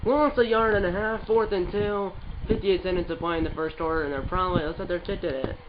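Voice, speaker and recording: Man, slightly high voice, congested; rambling gaming commentary over a dull recording with steady noise behind. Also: fairly quick. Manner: rambling, with restarts and play-by-play calls. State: stuffed up. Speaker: gaming channel host. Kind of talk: casual game commentary. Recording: muffled with background noise.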